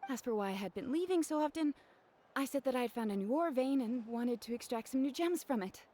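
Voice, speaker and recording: A woman's voice: high-pitched, expressive, a little fast, mellow, slight background noise. A woman voicing a friendly, chatty young female jeweler in a video game, slightly flustered. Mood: relieved, apologetic.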